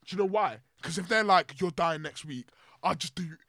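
A young man, chatting loudly on a podcast and often restarting his sentences. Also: high-pitched, normal speed, dry recording, studio quality. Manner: loud, projecting voice, stumbling restarts. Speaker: podcast host. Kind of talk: casual chat.

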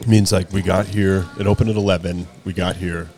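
A man's voice: deep voice, level tone, a little fast, a little mellow. A man chatting casually and describing a burger in detail as he eats it. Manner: descriptive, enthusiastic about the food. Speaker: co-host of a food review show. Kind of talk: casual chat while eating.

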